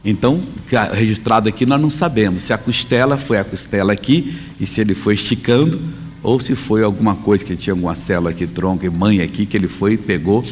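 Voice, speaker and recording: A man preaching a sermon in a conversational, emphatic way, often pausing to correct himself. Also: lowish voice, slight background noise. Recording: long hall reverb.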